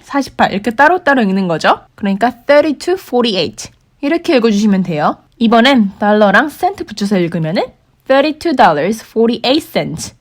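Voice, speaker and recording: A young woman giving a patient, clear lesson on saying prices in English, slowing down to model each word. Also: a little high. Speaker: English teacher for working holiday makers. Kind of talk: explanatory language lesson.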